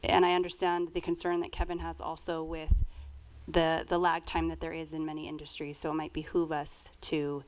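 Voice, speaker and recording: A woman's voice: low-pitched, monotone, normal speed, poor audio. A woman stating her position matter-of-factly as a council member in a public meeting.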